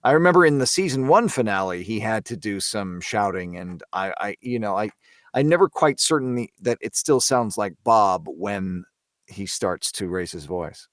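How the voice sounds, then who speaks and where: Low-voiced man, close dry sound. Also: lively intonation, moderate pace, dry recording. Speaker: voice actor on a horror audio drama. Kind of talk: casual behind-the-scenes discussion.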